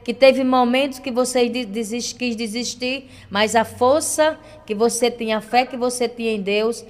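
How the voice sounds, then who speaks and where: A woman's voice: a little high, moderate pace. A Brazilian woman pastor with a Brazilian Portuguese accent hosting a church radio interview, encouraging her guest with exclamations of praise.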